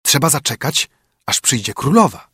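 Man doing a sly cautious fairy tale wolf, warning tone, husky voice, lively pitch. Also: moderate pace, no room sound, studio quality, heavily acted. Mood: cautioning.

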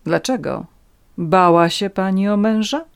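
A woman's voice: medium pitch, unhurried, gravelly, smooth. A woman voicing a proud young woman who answers with bitter defiance. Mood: defiant.

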